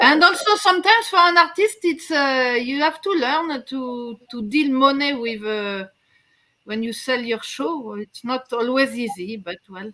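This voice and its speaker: A woman with a French accent speaks fairly slowly in a high, raised, projected voice with a bright, sharp tone, very wide pitch swings and big swings in loudness. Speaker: singer. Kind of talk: interview. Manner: halting.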